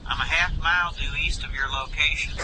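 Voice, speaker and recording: A man playing an earnest, secretive research teammate in an audio drama, serious and deliberate. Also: a little high, fairly even intonation, noisy background, lightly acted. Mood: urgent, secretive. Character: earnest, secretive male research teammate reporting a momentous find.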